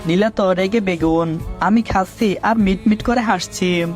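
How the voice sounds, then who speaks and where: A man with a high voice reads a first-person romance aloud, steady and scripted. Soft music sits faintly in the background throughout. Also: measured pace. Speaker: storyteller.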